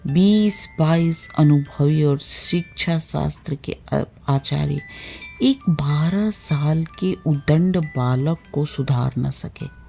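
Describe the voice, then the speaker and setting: A woman narrating a literary short story in a measured, expressive storytelling manner, drawing out her phrases. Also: low voice, creaky, soft background music. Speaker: audiobook narrator.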